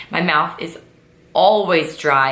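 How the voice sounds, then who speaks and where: A woman with a very deep, low pitch, ordinary pitch variation, an animated tone and a fairly slow pace, amid noticeable background noise and audible room echo. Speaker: lifestyle and fitness vlogger. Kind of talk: casual vlog talk to camera.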